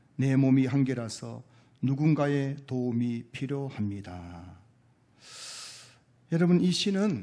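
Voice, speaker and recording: A man's very slow delivery, dark and mellow in tone, with very wide pitch swings. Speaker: pastor. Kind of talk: sermon. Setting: church.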